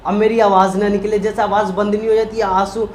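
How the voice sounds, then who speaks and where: A man in a casual vlog chat, retelling a hospital story in an animated, emotional way and acting out what people said. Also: high-pitched, a little fast, reverberant, a little hiss or hum. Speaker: vlogger, husband.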